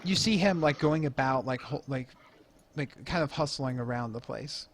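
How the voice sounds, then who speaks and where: A man's voice: mid-range voice, moderate pace, a little hiss or hum. A man narrating a tabletop game as game master, rambling with lots of "um" and "like". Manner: rambling, full of "um" and "like".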